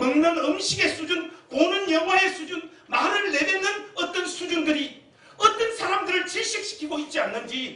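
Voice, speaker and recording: A man with an extremely high pitch speaks in a raised, projected voice at a fairly slow pace, with ordinary pitch variation. Noticeable background noise sits behind him. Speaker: pastor. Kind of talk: sermon. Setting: church.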